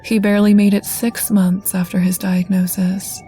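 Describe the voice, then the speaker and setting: A woman reading a first-person ghost story in a soft, measured, earnest way over faint background music. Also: mid-range voice, little pitch movement. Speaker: guest narrator.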